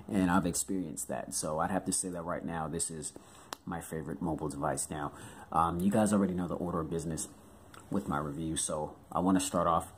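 Hoarse American guy with a very deep voice, casual fillers, light background noise. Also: fairly even intonation, brisk. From United States. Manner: chatty with many fillers. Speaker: tech reviewer. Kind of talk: casual product review.

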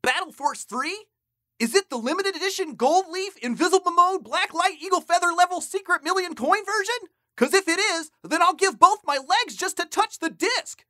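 A young cartoon gamer, excitable and snobbish. The voice is sharp and very animated, in a dry recording. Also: male voice, sits high, brisk, dry recording, full character voice. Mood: eager excitement. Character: excitable, snobbish young video game fanatic. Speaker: voice actor. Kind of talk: comic character acting in a demo reel.

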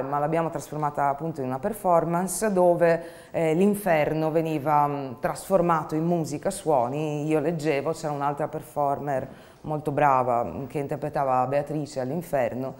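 A woman in her thirties describing her performance work in an interview, reflective and halting. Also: low voice, darkish tone. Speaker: performer and theatre artist. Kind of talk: explanatory interview talk. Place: seated in a dark studio, indoors.

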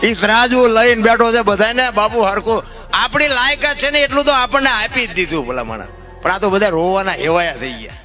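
A man giving an impassioned folk devotional discourse, often calling his listeners bapu and rising to loud exclamations. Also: sits high. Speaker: folk storyteller.

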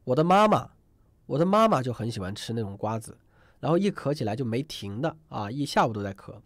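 A man with a mid-range, sing-song voice leads a live online singing class at a brisk pace, with no room sound in the recording. His lecture is chatty and rambling, full of fillers and restarts, and he often asks students to type numbers in the chat.

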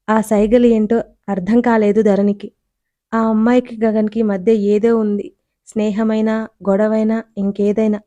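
A woman storyteller reading a romance audiobook in a steady, scripted narration on a close mic. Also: mid-range voice, no room sound.

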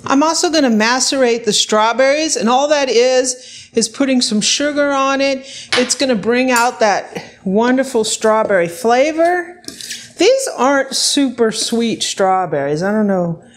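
A woman's voice: fairly high pitch, lively intonation, measured pace. A woman casually narrating her home cooking in a chatty, unscripted way, thinking aloud as she goes. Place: home kitchen, indoors.

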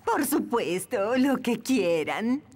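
A woman's voice: fairly high pitch, sing-song, a little mellow, a little hiss or hum, full character voice. A woman playing an elderly, easily offended but hospitable witch in a children's cartoon, with a Latin American accent. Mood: welcoming. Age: older. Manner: exclamatory, drawn-out, indignant when slighted. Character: retired old witch, friendly host, easily offended. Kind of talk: dubbed children's cartoon acting.

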